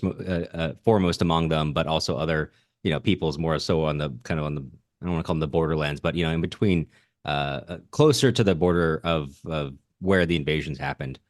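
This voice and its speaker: A man's voice: rumbling low, no room sound, studio quality. A man co-hosting a literary podcast, explaining things informally with hesitant, self-correcting phrasing. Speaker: podcast co-host. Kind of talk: casual literary discussion podcast.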